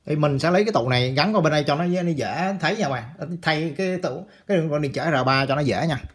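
A man's voice: a little high, fast talker. A man giving a casual hands-on electronics repair tutorial, chatty and repeating phrases as he talks to viewers.

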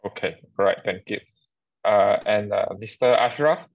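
A man's voice: on the low side, measured pace, vocal fry, dry recording, muffled recording. A man moderating a webinar Q&A on a video call, polite and hesitant with many fillers.

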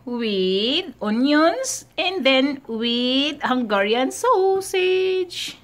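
A woman with a Filipino accent cooking at home for her husband in a casual vlog, talking in halting English mixed with German and Filipino words. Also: high-pitched, big pitch swings, fairly bright tone, soft background music. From Philippines. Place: home kitchen.

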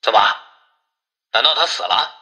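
A grumbling, reluctant village man, played by a male narrator in an audiobook, heard through a telephone effect. His voice is very sharp and bright, with animated, exclaiming pitch. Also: moderate pace. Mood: surprised.

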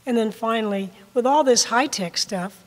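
An older woman giving a public science lecture at a podium, slightly hoarse from a cold, measured with occasional ums. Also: a little high. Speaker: guest lecturer. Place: large lecture room with audience. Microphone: podium mic. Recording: long hall reverb.

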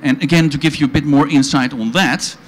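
A man's voice: a little high, fairly even intonation, a little fast. Dutch guy presenting at a conference, lots of ums, handheld mic, bit of room noise. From Netherlands. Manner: loose and chatty, frequent ums and restarts. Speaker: organization founder presenting at a panel. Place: event pavilion stage with audience.

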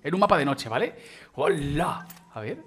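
A man's voice: fairly high pitch, moderate pace, soft background music. A man with a Spain Spanish accent, gushing and swearing casually while giving let's play commentary as a gaming YouTuber. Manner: excitable, gushing, peppered with mild swearing and filler.

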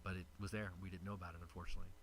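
A man, a city official, explaining in a halting, unscripted way at a public meeting. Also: sits low, flat delivery, background noise. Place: city council chamber.

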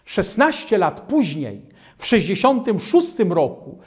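An older man preaching a studio sermon at a lectern, reading Bible verses aloud in a measured way. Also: high voice, big pitch swings, a little mellow.

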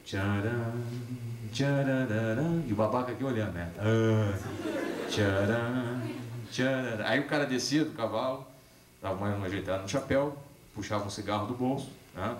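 A man gives a lively public talk to a young audience, holding a handheld microphone and acting out dialogue as he tells stories. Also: lowish voice, normal speed, a little hiss or hum. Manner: animated storyteller, acts out dialogue, gestures. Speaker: public speaker on alcohol and drugs. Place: large hall with a seated audience. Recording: echoey hall, camcorder recording.

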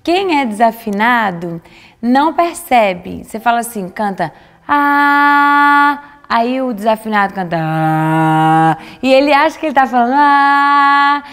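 A woman's voice: a little high, lively intonation, fairly quick, long reverb tail. A woman in a documentary interview, talking emphatically about her father. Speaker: interviewee, daughter of a pastor.

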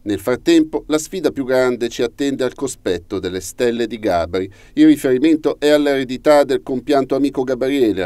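Male news voice-over, Italian accent, measured and ornate, mellow tone, dry booth. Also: mid-range voice, no echo. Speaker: news narrator.

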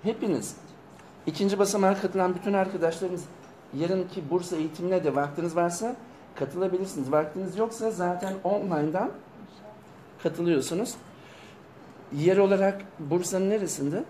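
A man leading a live seminar session, calmly repeating back what participants say. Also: high voice, normal speed, a little hiss or hum. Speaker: seminar leader.

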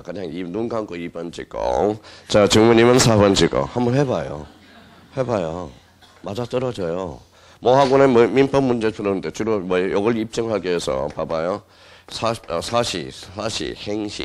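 A man's voice: sits low, a little mellow. A male exam-prep lecturer teaching a class, who asks the students questions, answers them himself and repeats the key words.

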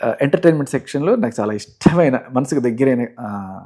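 A man in his thirties speaks in a middle-pitched, soft-spoken voice, telling his story in a relaxed anecdotal way. He is a radio jockey being interviewed, casually mixing in English words. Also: fast, breathy edge.

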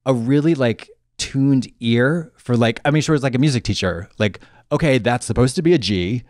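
A man in his thirties co-hosting a casual podcast chat, animated and prone to mimicking accents and voices. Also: medium pitch, normal speed, no echo, studio quality. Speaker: podcast co-host. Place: small decorated studio indoors. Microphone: handheld mic.

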